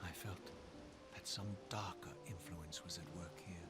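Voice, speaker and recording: An actor playing an eloquent, bitterly accusing undead wraith in a video game, with formal, theatrical, deliberate diction. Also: male voice, sits low, steady tone. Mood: brooding, grave. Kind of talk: dramatic video game narration and dialogue. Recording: music behind the voice.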